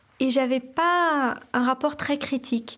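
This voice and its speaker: The speaker is a woman. Her voice rises and falls with ordinary pitch variation. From Algeria. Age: 20s. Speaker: student. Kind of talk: testimony. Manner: halting, with many fillers.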